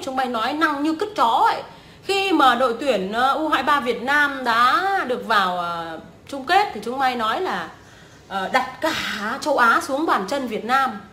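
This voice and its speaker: A woman's voice: sits high, pushed and bright, slight background noise. A young woman, ranting scornfully and swearing often as a vlogger. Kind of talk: profane ranting commentary. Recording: echoey room.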